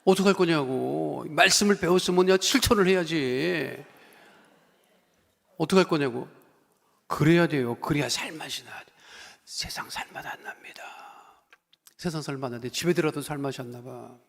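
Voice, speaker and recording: Gravelly-voiced pastor preaching in a hall. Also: male voice, on the high side, fairly quick. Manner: folksy and joking, acts out quoted voices, climbs to loud exhortations. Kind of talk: sermon. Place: church sanctuary. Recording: long church hall reverb.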